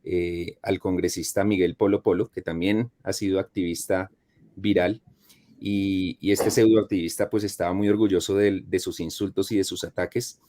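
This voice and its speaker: A man's voice: low voice, fairly even intonation, moderate pace, mellow. A man giving an earnest commentary that ends with rhetorical questions. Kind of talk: spoken commentary segment.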